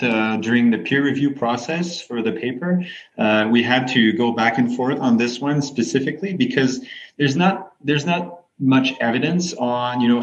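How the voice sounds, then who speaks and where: A man gives conversational expert explanations as a physiotherapist guest, using examples. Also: mid-range voice. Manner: explains with examples and rhetorical questions. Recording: slightly dull, lo-fi audio.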